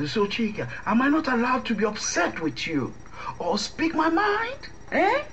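Animated, indignant boyfriend. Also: male voice, very high-pitched, unhurried, dull audio, background noise, full character voice. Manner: indignant, sarcastic. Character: defensive, sarcastic young boyfriend, stubborn and argumentative. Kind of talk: radio drama acting.

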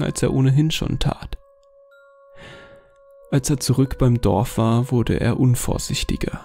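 A man narrating a scripted horror story in a calm, measured way. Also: mid-range voice, creaky. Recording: voice over faint music.

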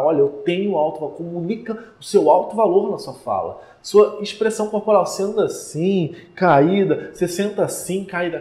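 Energetic Brazilian male coach, roomy echo. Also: a little high. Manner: energetic, emphatic, addresses viewer directly. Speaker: relationship coach. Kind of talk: direct-to-camera coaching talk.

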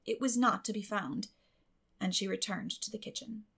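A woman's voice: mid-range voice, moderate pace, gravelly, a bit bright, breathy edge. A woman reading scripted classic fiction as an audiobook narrator.

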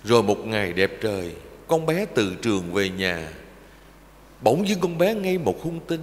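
An older man, a Buddhist monk, giving a fervent sermon that shifts into slow, sing-song recited verse and speaks to listeners as his children. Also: fairly high pitch, slight background noise. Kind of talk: emotional Dharma talk with recited verse. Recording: long reverb of a large hall.

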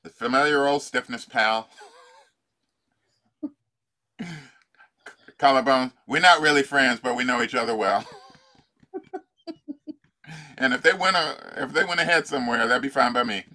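An older man coaching someone through a tapping routine on a video call. His voice is bright and forward, and he jokes and laughs often, stopping to search for words with lots of fillers. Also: medium pitch. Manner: playful, laughing, halting with many fillers. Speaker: life coach. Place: home room.

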